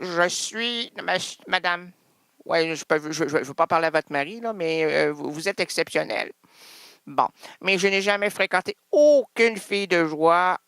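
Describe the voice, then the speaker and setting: A man's voice: high voice, pushed and bright, smooth, dry recording. A man with a Québécois accent doing improvised absurd comedy, with hesitant, repetitive and stammering talk. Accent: Québécois French.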